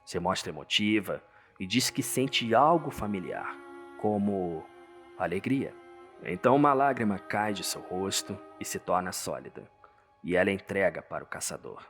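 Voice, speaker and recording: A man with a Brazilian accent narrates a dark story in a theatrical, suspenseful, scripted style. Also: sits low, animated, normal speed. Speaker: narrator, host. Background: music.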